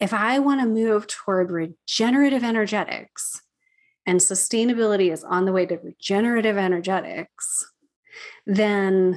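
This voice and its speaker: A woman has an unremarkable speaking voice with a medium pitch and ordinary pitch variation. She speaks at a moderate pace on a very clean recording with a silent background. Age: 40s. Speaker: podcast host and women's energy coach. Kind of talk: casual monologue.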